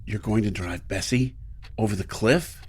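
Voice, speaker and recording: A man's voice: on the low side, moderate pace, husky. Boz, a man playing a folksy practical sidekick. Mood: wary. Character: Boz, grown man, practical mechanic type. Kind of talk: golden-age style radio drama acting.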